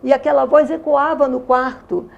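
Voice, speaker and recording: A gravelly-voiced Carioca woman in her sixties. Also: high voice, little pitch movement, moderate pace, dull audio, a little hiss or hum. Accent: Carioca Brazilian Portuguese. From Rio de Janeiro, Brazil. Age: 60s. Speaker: interview guest giving a testimony. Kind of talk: religious testimony in conversation.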